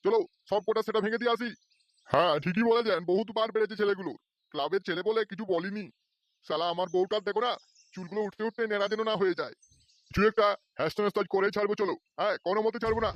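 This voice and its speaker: Man doing irate cartoon villager, high voice, rattling very fast, scolding, blustering, light music. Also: highs cut off, natural voice. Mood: indignant. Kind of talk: Bengali comedy cartoon dubbing.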